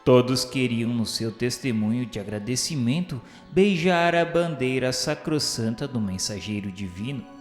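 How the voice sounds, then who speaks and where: A man's voice: mid-range voice, lively intonation, moderate pace, few pauses. A man with a Brazilian accent narrating a radio drama from a script in a solemn, formal, declamatory way. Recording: echoey long reverb, music underneath. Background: music.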